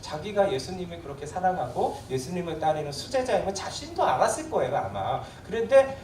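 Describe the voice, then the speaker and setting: A pastor gives a sermon with a lively, rising-and-falling delivery, talking to the congregation as if in conversation and checking in with frequent questions. The voice sits back from the microphone and rings through a reverberant church hall. A faint hiss of room noise stays under it. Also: mid-range voice, fairly quick. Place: church sanctuary. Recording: echoey church hall, voice from a distance.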